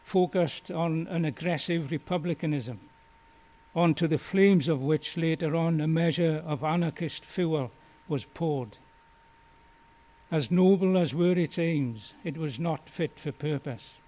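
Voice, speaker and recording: A man in his sixties, from Wales, reads out a prepared memorial lecture. His voice sits a little high for a man. He speaks in a measured, earnest and deliberate way. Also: mellow.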